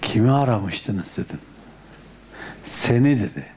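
Sufi sheikh guy giving a religious talk, calm storytelling, goes quiet and murmury a lot, bit of faint noise behind. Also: on the low side, takes it slowly.

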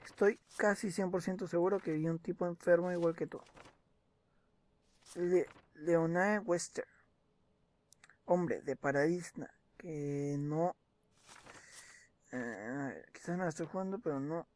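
Brief: young man, gameplay commentary, mutters and reads documents aloud, fairly high voice. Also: takes it slowly, long pauses, darkish tone. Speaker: gaming video host.

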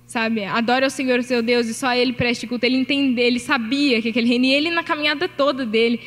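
High brazilian lady pastor, talks like a chat, lots of echo from the hall. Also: steady tone, fast, fairly bright tone. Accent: Brazilian Portuguese. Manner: chatty, conversational preaching with frequent tag questions and laughter. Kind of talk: sermon.

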